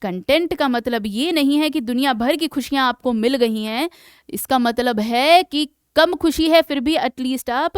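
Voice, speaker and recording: A woman teaching English vocabulary for exam preparation, explaining in Hindi and reading English example sentences slowly and deliberately, often checking in with her students. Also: high voice, smooth, no room sound. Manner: keeps checking in with "है ना". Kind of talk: exam-prep vocabulary lesson.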